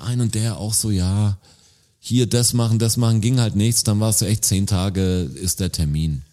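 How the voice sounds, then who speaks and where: A man's voice: on the low side, moderate pace, a little mellow. A man casually telling friends an exasperated story about a phone call, quoting both sides of the conversation. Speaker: podcast co-host. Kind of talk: casual anecdote among friends.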